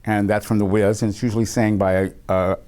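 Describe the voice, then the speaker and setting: A man being interviewed about his stage performing, chatty and quick to laugh. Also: lowish voice, flat delivery, a little mellow. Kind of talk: casual interview chat.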